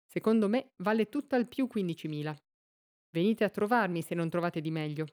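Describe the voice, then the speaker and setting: A woman's voice: lowish voice, expressive, fairly quick, darkish tone, natural voice. A woman voicing a curt, suspicious male jeweler with a dry tone in a storybook reading.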